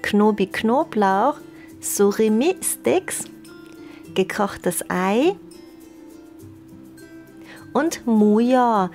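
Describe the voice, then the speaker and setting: A woman's voice: a little high, expressive, extremely slow, pauses often, darkish tone. A young woman narrating a recipe in a chatty, playful and enthusiastic way. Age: young adult. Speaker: cooking vlog host. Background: music behind the voice.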